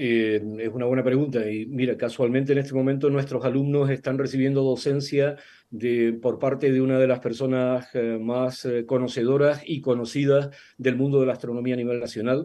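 A man with a Canarian accent, medium-pitched and dark, mellow in tone, flat and monotone at a moderate pace over a quiet background. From Canary Islands. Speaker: astronomy educator. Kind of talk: interview. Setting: video call. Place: home room.

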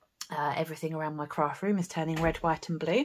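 A woman with a southern English accent speaks at a fairly low pitch. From Kent, England. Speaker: craft demonstrator; papercraft demonstrator. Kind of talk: tutorial. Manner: casual, with many fillers. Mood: cheerful, relaxed. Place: home room.

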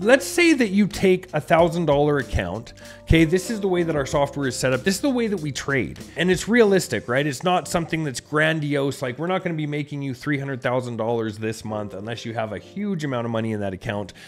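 A man talks at a fairly quick pace with hardly any pauses. Faint music plays in the background. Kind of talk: tutorial.

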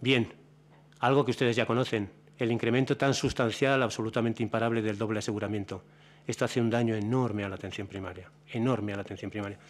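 Moving at a very fast pace, a man speaks with fairly even intonation. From Asturias, Spain. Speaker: family doctor, medical society president; speaker. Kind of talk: conference talk. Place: meeting room. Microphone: podium.

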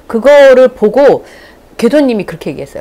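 A woman talks at a moderate pace. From South Korea. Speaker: YouTube channel host, former news anchor. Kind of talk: interview. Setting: studio. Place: studio. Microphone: lapel.

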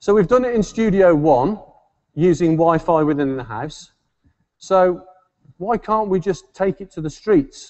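In a Birmingham accent, a man with a high pitch speaks fairly slowly and with lively intonation, his loudness swinging widely and his long pauses coming often, all over a quiet background. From West Midlands, England. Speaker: police officer. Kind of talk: keynote presentation. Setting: stage with audience. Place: hall. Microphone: podium.

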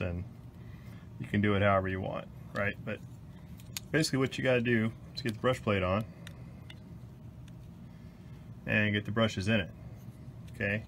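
Over light background noise, a man speaks at a fairly quick pace in an ordinary speaking voice. His pitch is fairly low, with ordinary pitch variation. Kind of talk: tutorial. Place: workshop. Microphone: phone near.

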